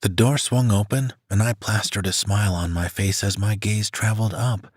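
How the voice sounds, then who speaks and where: A man reading a romance audiobook aloud in the first person, in an even, scripted narration. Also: fairly low pitch, moderate pace, husky, dry recording, studio quality. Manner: reads a woman's first-person story in an even voice.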